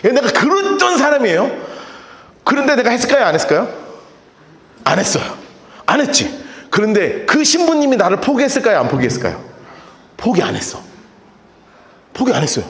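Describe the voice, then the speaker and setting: Male pastor, high voice, call-and-response questions, joking, echoey church hall. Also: brisk, long pauses. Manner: asks the congregation frequent call-and-response questions; animated and joking. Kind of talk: Bible-study sermon. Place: church sanctuary.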